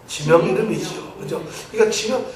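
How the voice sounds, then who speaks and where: A male pastor preaching an animated sermon, quizzing his congregation and repeating key phrases for them to answer. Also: sits high, brisk, crowd noise. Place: church sanctuary. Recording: echoey church hall from a distant mic.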